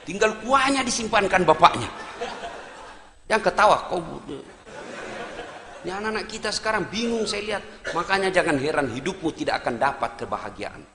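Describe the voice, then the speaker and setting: A man preaching a humorous sermon to a congregation, emphatic and teasing, moving between quiet asides and shouts. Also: a little high. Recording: echoey hall, faint noise.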